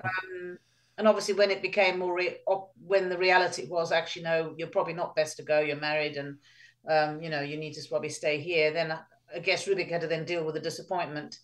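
A woman in her sixties from England, a trained midwife, answering interview questions in a thoughtful, measured way with many fillers. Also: low voice, little pitch movement. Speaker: guest, midwife. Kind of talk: casual interview.

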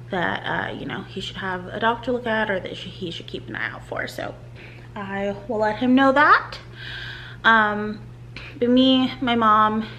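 A woman in her thirties chatting casually to camera from her living room, candid and talkative, with soft laughs now and then. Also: medium pitch, a little hiss or hum, rough recording. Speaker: vlogger. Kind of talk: casual vlog chat. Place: living room at home, seated on a couch. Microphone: camera in front, close framing.

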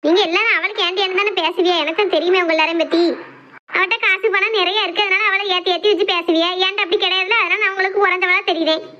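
A gossipy, quarrelsome village woman from a cartoon, put on by a woman. She talks in a shrill, nagging, very high and rapid voice. The audio is dull and lo-fi. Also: steady tone, pushed and bright. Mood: aggrieved. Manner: complaining, teasing, quick banter.

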